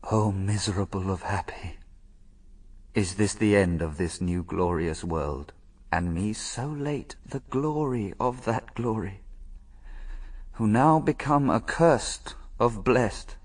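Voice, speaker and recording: Slow, tormented fallen Adam. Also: male voice, on the low side, expressive, distant mic. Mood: sorrowful lament. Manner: solemn, theatrical, brooding, tormented. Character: anguished fallen Adam, first man, despairing and self-accusing. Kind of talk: classical verse radio drama soliloquy.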